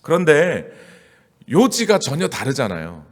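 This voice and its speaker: A man's voice: a little high, wildly swooping pitch, unhurried. A male pastor preaching a sermon in a conversational style, asking his congregation question after question. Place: church sanctuary. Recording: church hall with long reverb.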